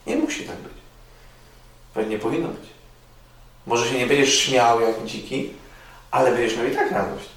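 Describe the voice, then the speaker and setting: A man preaching an earnest sermon, repeating his calls, rising loud and dropping to near whispers. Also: mid-range voice, fairly even intonation, normal speed, creaky, pauses often. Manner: earnest, repetitive exhortation with sudden loud rises and soft drops. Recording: very echoey, distant mic with faint noise.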